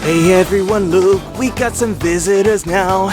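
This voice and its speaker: Man playing an excitable high-voiced young ape prince. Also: unhurried. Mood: excited, welcoming. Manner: enthusiastic, announcing. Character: young eager ape, proud future island ruler, welcoming tourists. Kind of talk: fan audio drama with musical number. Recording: music behind.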